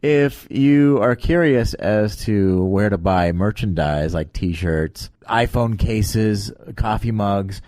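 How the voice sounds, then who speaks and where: A man hosting a podcast in casual, joking banter, talking in a meandering, halting way on a close mic. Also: on the low side, a little mellow, no room sound. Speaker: podcast host.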